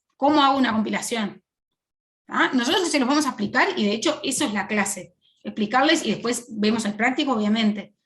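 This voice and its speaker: A woman speaks in a fairly high pitch with lively intonation. Her pace is fairly quick. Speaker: university lecturer in accounting. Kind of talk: lecture. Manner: fast.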